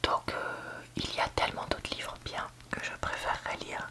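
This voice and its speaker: A book reviewer giving a candid, hesitant ASMR review in a soft library whisper, often searching for words. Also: normal speed. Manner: soft library whisper, almost entirely unvoiced. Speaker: book reviewer, video host.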